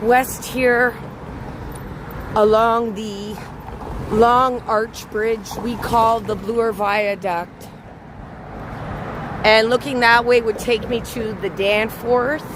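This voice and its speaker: A slightly hoarse woman chatting with her viewers as she walks a city bridge at night, greeting them by name. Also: on the high side, fairly even intonation, drawn-out words, long pauses. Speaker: livestream host. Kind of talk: live walking vlog chatting with viewers. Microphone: handheld camera on a gimbal. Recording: outdoor street recording with clear traffic noise. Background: traffic noise.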